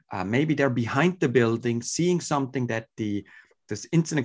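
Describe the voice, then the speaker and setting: Against a quiet background, a man with a Swiss accent talks at a moderate pace, his intonation lively and his tone enthusiastic. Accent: Swiss-European accent in English. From Switzerland. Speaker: drone industry executive. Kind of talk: interview.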